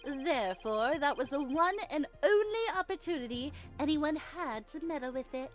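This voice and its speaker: A woman's voice: sits high, lively intonation, normal speed. A woman playing through a video game, reading the characters' dialogue aloud in a theatrical, playful way. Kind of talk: gaming playthrough with dramatic read-aloud of characters. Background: video game music.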